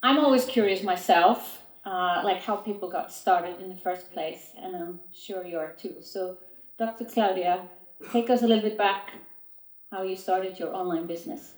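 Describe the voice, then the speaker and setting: A woman's voice: mid-range voice, normal speed. Woman panel moderator, upbeat, encouraging, echoey hall. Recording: echoey event room.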